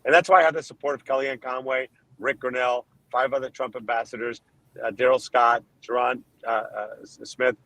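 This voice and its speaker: A man from Colombia answering podcast questions as a candidate, firing off his points in emphatic lists. His voice sits at an ordinary middle pitch, and the sound is close and dry with no room echo. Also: steady tone, moderate pace, a bit bright. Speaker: Senate candidate, guest.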